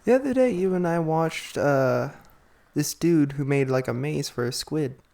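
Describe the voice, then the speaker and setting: A podcast co-host in casual conversation, speaking haltingly in short, agreeing remarks. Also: medium pitch, animated, vocal fry, darkish tone.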